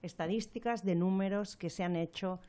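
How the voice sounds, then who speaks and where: A woman, a health professional on a radio health segment, explaining a topic in a measured way with fillers and restarts. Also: medium pitch, warm tone.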